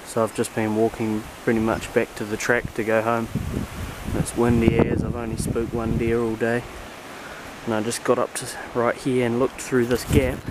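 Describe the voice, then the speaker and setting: Loud background noise surrounds a man speaking at a moderate pace. He leaves long, frequent pauses, and the sound is dry with no echo. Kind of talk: casual vlog narration. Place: forest. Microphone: phone near.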